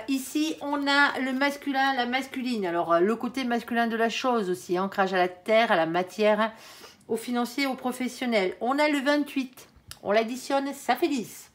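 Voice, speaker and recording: Chatty woman doing a tarot reading. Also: fairly high pitch. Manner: chatty, colloquial, full of "hein" and "euh" fillers, addresses the viewer as "mon ange"; thinks aloud while turning cards, with self-corrections and laughs. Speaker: tarot reader. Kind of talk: casual tarot reading for viewers.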